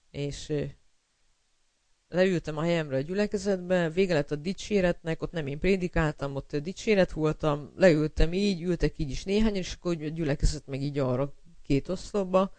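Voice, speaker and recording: A man preaching a sermon in earnest, pausing with fillers, calling listeners brother and telling personal stories to illustrate scripture. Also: on the high side, a little mellow, no room sound.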